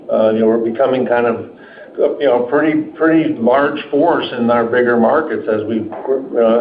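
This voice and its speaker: A man speaking as a company executive, answering off the cuff on an earnings call in a conversational, stop-and-start way. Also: medium pitch. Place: indoor room on a conference call. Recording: roomy muffled conference call, noisy.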